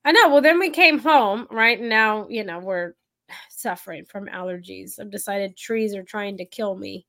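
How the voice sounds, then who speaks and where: A woman's voice: mid-range voice, moderate pace, fairly bright tone. A woman from Texas hosting a podcast in casual chat, sounding nasal from hay fever and filling her talk with "like". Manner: chatty, upbeat, many "like" fillers. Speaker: podcast host.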